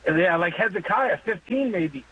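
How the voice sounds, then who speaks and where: A man in his fifties calling in to a radio show, talking earnestly and haltingly, with many pauses and fillers. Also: high-pitched, lively intonation, husky. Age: 50s. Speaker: caller. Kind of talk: phone-in call to a radio show. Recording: dull phone line.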